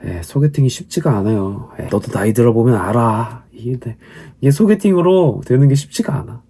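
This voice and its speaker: A man's voice: medium pitch, lively intonation, fairly quick, warm tone, husky. A man in his thirties, a YouTuber, chatting casually and reading viewer comments with self-deprecating jokes. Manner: self-deprecating, joking asides. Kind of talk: casual vlog chat.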